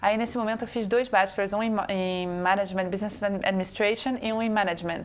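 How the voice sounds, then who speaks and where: Hardly pausing, a woman with a non-native accent speaks at a fairly quick pace in a medium pitch with fairly even intonation. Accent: foreign accent in Portuguese. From Switzerland, Geneva. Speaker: communications executive. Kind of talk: interview. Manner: halting.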